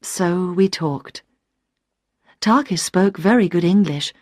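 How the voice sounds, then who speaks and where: Sex: woman. Role: narrator. Style: slow, clear storybook reading for learners. Pitch: low-ish. Sound: dry. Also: no echo. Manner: clear, careful, deliberate reading.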